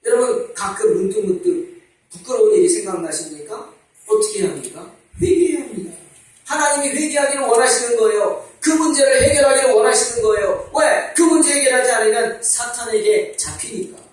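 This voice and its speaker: A pastor preaches a sermon in a very high-pitched, animated voice, going a little fast. He asks rhetorical questions and keeps repeating his calls to repent. The sound is echoey, recorded with a distant mic in a church hall.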